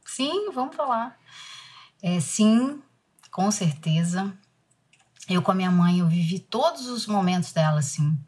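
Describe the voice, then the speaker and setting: A Brazilian woman in her forties, an actress speaking in an interview and recalling a painful family memory in a reflective, soft manner. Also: mid-range voice, lively intonation, unhurried, pauses often, slightly rough. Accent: Brazilian Portuguese. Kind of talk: emotional interview talk.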